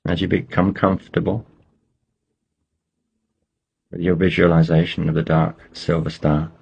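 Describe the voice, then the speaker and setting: A man leading a guided meditation, giving slow, measured instructions with pauses between phrases. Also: low voice, little pitch movement, vocal fry, a little mellow, slightly rough, lo-fi sound.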